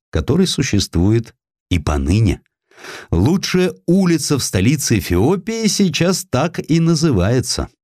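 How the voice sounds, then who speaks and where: A man reading a historical essay as an audiobook narrator, in a measured, dramatic storytelling delivery with expressive emphasis. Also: mid-range voice, dry recording, clean studio sound.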